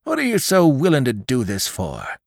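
A man voicing a fretful, stubborn old male storekeeper with a creaky, quavering voice. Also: mid-range voice, wildly swooping pitch, moderate pace, dry recording, studio quality, pitched above the performer's own voice, full character voice. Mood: anxious. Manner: groaning, anxious, later furious.

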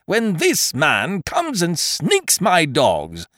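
A man reading aloud and voicing a blustering middle-aged male schemer who talks loudly and heartily. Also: on the high side, huge pitch swings, normal speed, dry recording, studio quality, pitched above the performer's own voice. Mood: outraged. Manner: hearty, loud, indignant.

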